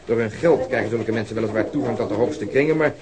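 A man's voice: mid-range voice, fast, crowd noise, natural voice. A man playing a sarcastic police detective. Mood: ironic. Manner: sarcastic, sharply ironic. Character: sardonic, pointed male police detective. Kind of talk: radio drama acting.

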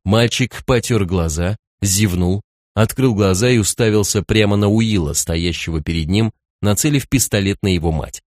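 Male audiobook narrator, low voice, dry close recording, measured reading. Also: a little mellow, dry recording. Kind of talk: scripted narration.

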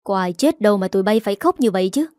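A drunk, jealous husband sneers and hurls accusations in a spoken story, voiced by a woman reader. His tone is warm and mellow even when harsh. The sound is dry and close. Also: mid-range voice, rapid-fire, no room sound, close to an everyday voice. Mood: bitter, accusing. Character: drunk jealous bullying husband, middle-aged man.

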